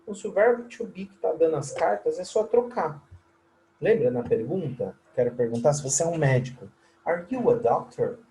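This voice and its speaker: A Brazilian man teaching English in a recorded lesson, explaining in Portuguese and modeling English sentences slowly and clearly, with friendly check-ins to the class. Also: on the high side, expressive, dark tone, a little hiss or hum, poor audio.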